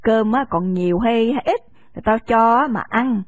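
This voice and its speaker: A woman's voice: on the high side, unhurried, no echo, natural voice. A woman voicing an old village shopkeeper woman who scolds but is kind. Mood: gruff, kindly.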